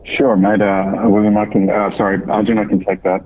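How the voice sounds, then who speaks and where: A company executive with a fairly low, level voice answers analyst questions briskly and off the cuff on an earnings call, using corporate language. The audio comes through a tinny, band-limited phone conference line.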